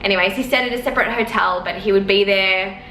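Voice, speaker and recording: Bright-voiced chatty young woman, echoey room. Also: medium pitch, quick pace. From Australia. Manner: rambling and chatty, with many fillers and apologies. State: sore eyes from smoke. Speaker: vlogger. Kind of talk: casual storytelling to camera. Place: lounge room at home. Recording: echoey room, faint background noise.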